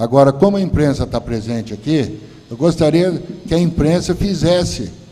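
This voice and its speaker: A man's voice carries audible room echo, with noticeable background noise underneath. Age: 60s. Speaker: city planning secretary, engineer. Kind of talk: testimony at council inquiry hearing.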